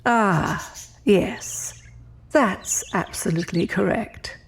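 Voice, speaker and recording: A woman playing a genteel, imperious female demon in an audio drama, speaking formally with cool, measured politeness. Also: mid-range voice, vocal fry, husky, heavily acted. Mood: firm, courteous.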